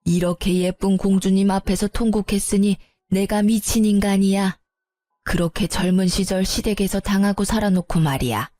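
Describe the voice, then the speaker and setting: A woman voicing an older mother-in-law who coos at her granddaughter and apologizes remorsefully, with a slow, drawn-out manner. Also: mid-range voice, steady tone, warm tone, no room sound, natural voice. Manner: coaxing, drawn-out baby talk.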